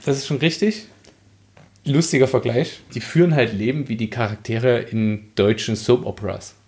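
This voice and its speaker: A man's voice: mid-range voice, moderate pace, darkish tone. A man chatting casually in a colloquial, wry way. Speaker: book podcast panelist. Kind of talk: casual chat.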